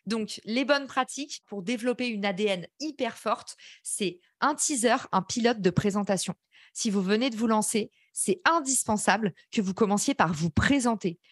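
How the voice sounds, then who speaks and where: A woman's voice: medium pitch, normal speed, husky, dry recording, studio quality. A woman with a slight English-tinged accent in French, teaching a podcast workshop in a chatty, enthusiastic way and speaking straight to her audience. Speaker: podcast course instructor.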